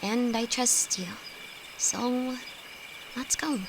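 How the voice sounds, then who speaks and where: Timid, slow-spoken young alchemist girl, played by a woman, over crickets. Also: a little high, background noise. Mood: anxious, reluctant. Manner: nervous, hesitant, stammering. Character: timid, easily frightened young female apprentice alchemist, affectionate best friend. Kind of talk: fantasy roleplay audio drama, intimate one-sided dialogue. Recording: night cricket and insect ambience throughout. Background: crickets and forest ambience.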